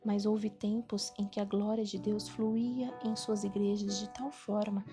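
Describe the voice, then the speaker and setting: A woman with a Brazilian Portuguese accent reading a Christian devotional audiobook in an earnest, steady way. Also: medium pitch, a little slow. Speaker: audiobook narrator. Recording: reading over clear background music. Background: music.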